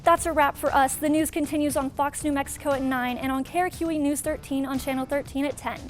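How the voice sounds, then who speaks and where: A woman's voice: high voice, fairly even intonation, fast. A woman with an American accent reading a scripted sports newscast as the anchor.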